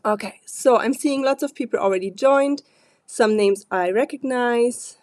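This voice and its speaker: A woman with a stuffy, congested voice hosts a live card-making stream in a chatty, loosely paced way, clearing her throat now and then. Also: fairly high pitch, a little slow, darkish tone, dry recording, studio quality. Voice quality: frequent throat clearing and fillers. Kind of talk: casual live-stream chat.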